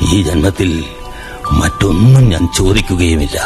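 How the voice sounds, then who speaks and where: A grave, loving father in a radio drama, his low voice steady as he lays out long, solemn sentences about a parent's love. Music plays under his lines on this broadcast play. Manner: measured, sermon-like speech about love. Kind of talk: 1990s-style radio drama acting.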